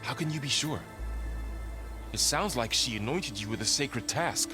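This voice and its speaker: A man's voice: medium pitch, lively intonation, normal speed, lightly acted. A man playing a devout, loyal tribal warrior companion in a video game, earnest and questioning. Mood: searching. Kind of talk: naturalistic video game voice acting. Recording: game dialogue under loud music. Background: music.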